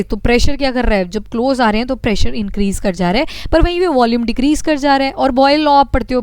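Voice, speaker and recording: Smooth-voiced woman teaching physics. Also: fairly high pitch, darkish tone, dry recording. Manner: explains step by step, asks and answers own questions. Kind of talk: exam-prep science lecture.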